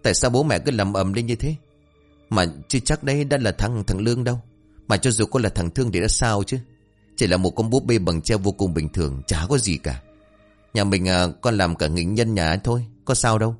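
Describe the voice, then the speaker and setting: Man playing a young adult son, dismissive, breezy, quick, low voice, faint music behind. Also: natural voice. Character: careless, cheerful young adult son, an addict.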